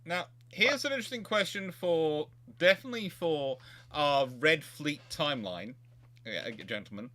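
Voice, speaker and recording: Bright, higher-pitched man hosting a livestream. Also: lively intonation, moderate pace. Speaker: livestream host. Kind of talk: casual livestream chat.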